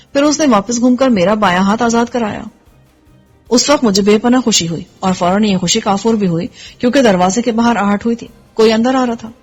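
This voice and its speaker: A woman narrating an action novel in the first person, in a steady storytelling manner. Her voice is husky and breathy at a mid pitch, with a soft music bed faintly underneath.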